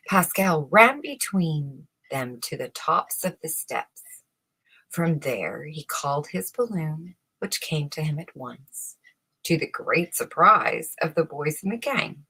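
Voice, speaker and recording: Female narrator for children's bedtime stories: husky, unhurried, expressive read-aloud delivery. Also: low-pitched. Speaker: storyteller reading a children's book aloud. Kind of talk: scripted bedtime story narration.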